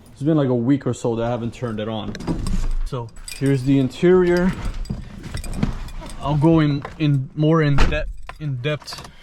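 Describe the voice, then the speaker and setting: A man's voice: a little high, darkish tone, slight background noise. Brazilian-accented man showing off his garage. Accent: Brazilian Portuguese. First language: Portuguese. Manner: casual, enthusiastic, repeats and restarts phrases. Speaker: car vlogger. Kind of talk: casual vlog walkthrough. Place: home garage.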